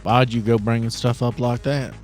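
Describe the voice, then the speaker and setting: A man's voice: medium pitch, fairly even intonation, moderate pace, a little mellow, soft background music, natural voice. A man playing a folksy, crude and wary backwoods arms dealer with an American Southern drawl in a tabletop game. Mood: suspicious. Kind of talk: improvised tabletop role-play.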